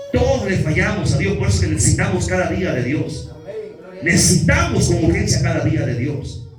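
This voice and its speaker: High-voiced preaching man in an echoey hall. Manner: impassioned, swings from shouts to near whispers. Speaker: evangelist preacher. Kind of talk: preaching sermon at a convention. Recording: echoey hall, mic from a distance.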